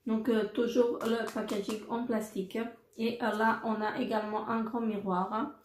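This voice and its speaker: A woman's voice: mid-range voice, darkish tone, roomy sound, slight background noise. A woman presenting a makeup haul in a casual, hesitant way, with many fillers and repeated words. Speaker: beauty vlogger.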